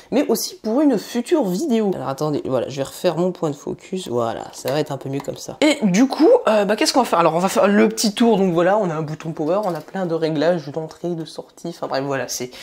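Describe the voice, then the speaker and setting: A woman's voice: mid-range voice, a little mellow. A woman hosting a casual tech unboxing vlog, rambling and chatty with many fillers and restarts, recorded indoors on a wireless mic. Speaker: tech video host.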